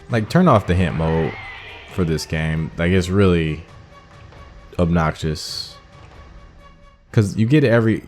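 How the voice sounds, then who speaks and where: A man's voice: low voice, a little mellow. A man giving casual gameplay commentary as a video host, informally thinking aloud as he plays. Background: game music.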